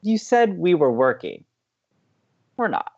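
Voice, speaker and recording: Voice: medium pitch, huge pitch swings, takes it slowly, gravelly, a little mellow, dull audio, heavily acted. A performer playing an upbeat, chatty young college radio co-host in an audio drama, teasing and playful. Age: young adult.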